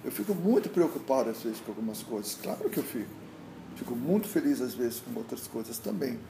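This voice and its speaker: A man's voice: mid-range voice, big pitch swings, a little fast, creaky. A man, a meditation teacher, talking reflectively in an interview and often restarting his thoughts as he searches for words. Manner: searching, repetitive restarts, storytelling. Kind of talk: reflective casual interview talk. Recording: echoey room with faint noise.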